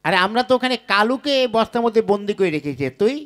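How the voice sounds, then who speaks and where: A man voicing a hot-tempered village henchman who barks orders in rough slang in a comic puppet play. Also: sits high, animated, quick pace, a bit bright. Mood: indignant.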